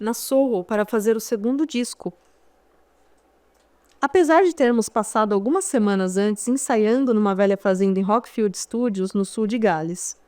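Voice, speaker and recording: Her voice sitting a little high with a darkish tone, a woman with a Brazilian Portuguese accent reads a first-person memoir audiobook. She tells it conversationally, throwing in wry comments to the listener, and it's captured close-miked in a dry, dead-sounding studio.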